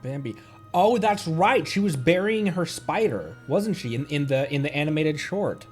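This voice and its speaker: Animated, playful male streamer over faint music. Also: a little high, moderate pace. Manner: playful, animated, thinking aloud. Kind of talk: casual livestream game commentary.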